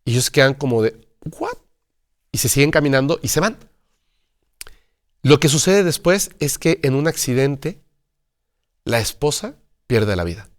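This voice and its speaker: A man's voice: medium pitch, lively intonation, normal speed, pauses often. Man telling a dramatic story. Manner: dramatic storyteller who acts out dialogue. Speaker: guest storyteller. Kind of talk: telling a paranormal story in conversation.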